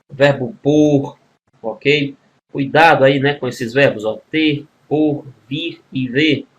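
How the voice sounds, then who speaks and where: In a recorded exam-prep video, a man with a Brazilian Portuguese accent and a medium-pitched voice teaches grammar, with a little hiss or hum in the audio. He addresses the students as a group, walking through questions step by step and constantly checking in with tag questions.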